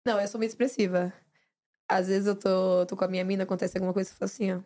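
Fast-talking expressive young woman. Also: mid-range voice. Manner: expressive, laughs often, storytelling. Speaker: guest, reality show winner. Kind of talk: casual podcast chat.

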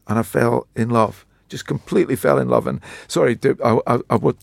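A man in his seventies with a croaky voice, a retired football writer telling rambling, self-mocking stories in a casual chat. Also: medium pitch, a little fast, no echo, studio quality. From Scotland. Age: 70s.

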